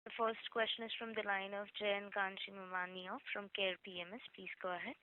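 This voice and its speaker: A woman's voice: medium pitch, little pitch movement, a little fast. A woman making formal, polite scripted announcements as a conference call operator. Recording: narrow-band phone line.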